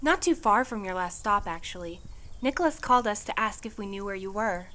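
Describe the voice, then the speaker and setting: A woman acting as an inquisitive friend in an audio drama. She talks casually and helpfully, explaining as she goes. The delivery is relaxed dialogue, like everyday conversation. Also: medium pitch, a little fast, natural voice. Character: helpful, inquisitive female friend piecing things together.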